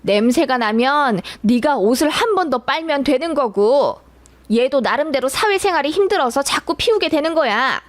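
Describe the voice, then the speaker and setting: A woman voicing an older mother-in-law who scolds her daughter-in-law in a drawn-out, lecturing way, read for a narrated story. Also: sits high, lively intonation, no room sound.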